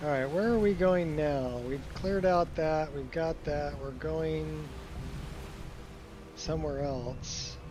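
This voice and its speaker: With an American accent, a man speaks at a very slow pace, leaving long, frequent pauses amid audible room echo. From California. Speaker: video game streamer. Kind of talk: casual gameplay commentary chatting with viewers. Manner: casual, repetitive, thinking aloud.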